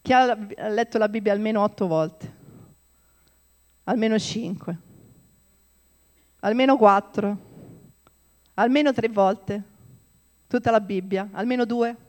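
A woman's voice: medium pitch, a little slow, long pauses, darkish tone, big-room sound. A woman delivering a conversational sermon, reading scripture aloud and often checking in with her listeners. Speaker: preacher.

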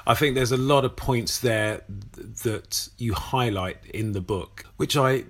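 A man's voice: mid-range voice, a little slow. A man hosting an interview, supportive and a little hesitant as he frames his questions. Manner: supportive, hesitant with fillers and restarts. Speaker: podcast host. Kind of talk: casual conversational interview.

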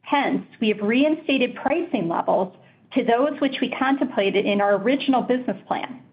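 Measured woman reading financial results. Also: on the high side, lively intonation, muffled recording. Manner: measured, formal reading of figures. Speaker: finance executive on earnings call. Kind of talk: scripted financial report.

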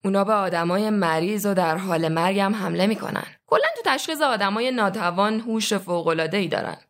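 A woman voicing a cold, methodical male interrogator who lectures in a measured way. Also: mid-range voice, animated, close to an everyday voice. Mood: cold, menacing.

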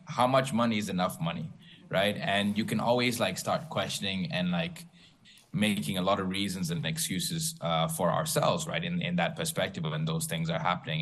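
A man's voice: low-pitched, fairly bright tone. A young man, a tech founder on a panel, telling his story candidly with self-deprecating humor. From Tanzania. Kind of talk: panel talk.

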